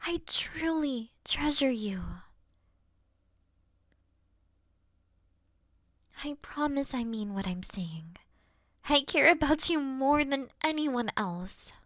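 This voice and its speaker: A woman playing a caring, worried best friend in an intimate roleplay audio call, speaking softly and soothingly with breathy murmurs. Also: sits high, lively intonation, a little slow, no echo, studio quality, full character voice. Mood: tender, reassuring. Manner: soft, soothing, reassuring, sighing, dropping into breathy murmurs. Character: caring, gentle young female best friend, patient and worried.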